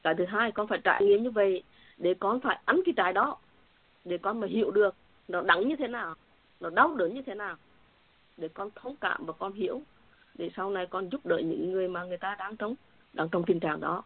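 A woman's voice: medium pitch, brisk, slightly rough. A woman sharing an earnest, somewhat repetitive faith testimony with fellow believers, heard over a tinny phone-like line. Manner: earnest, repetitive, emotional at times. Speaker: church member sharing testimony.

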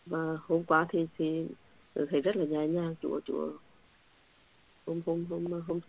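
Through a tinny phone-like line, a woman shares an earnest and somewhat repetitive testimony with fellow believers, turning emotional at times. This church member has a deep, gravelly voice with a flat delivery and speaks a little slowly.

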